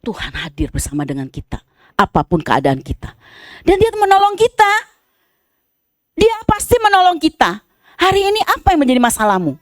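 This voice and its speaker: A woman preaching a sermon with animated delivery, moving from soft asides to loud exclamations. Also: high-pitched, moderate pace, pauses often. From Indonesia.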